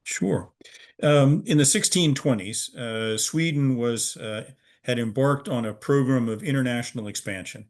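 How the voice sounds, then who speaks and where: A middle-aged man from Virginia, USA, head of research at a museum, explains history as an interview guest on a video call. His medium-pitched voice is measured, with frequent "uh" pauses.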